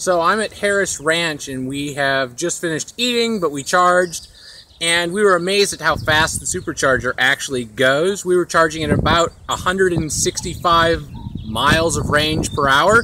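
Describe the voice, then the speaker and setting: A man's high-pitched voice with ordinary pitch variation, dry sound with no echo, and noticeable background noise. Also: moderate pace. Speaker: road-trip vlogger. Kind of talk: casual vlog chat. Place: street. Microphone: phone near.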